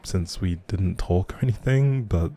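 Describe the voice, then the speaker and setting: A man's voice: deep voice, unhurried, mellow. A man playing a shy, socially anxious but friendly young writer in an intimate audio roleplay, rambling hesitantly and apologetically to the listener. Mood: rambling, musing.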